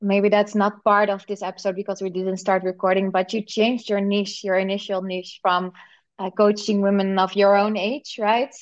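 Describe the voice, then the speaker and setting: Monotone, flat speech from a woman with a medium pitch. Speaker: podcast host. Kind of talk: casual interview.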